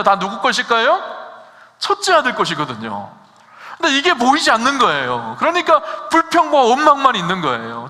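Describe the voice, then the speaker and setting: A man's voice: very high voice, sharp tone. A man preaching a sermon as pastor, asking his congregation questions and building to emphatic peaks. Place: church sanctuary. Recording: long hall reverb.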